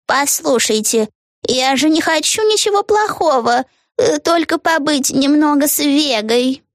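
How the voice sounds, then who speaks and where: A woman voicing a scheming old witch who talks in a drawn-out, falsely tender sing-song. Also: high-pitched, lively intonation, dry recording, studio quality, pitched above the performer's own voice. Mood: sugary sing-song.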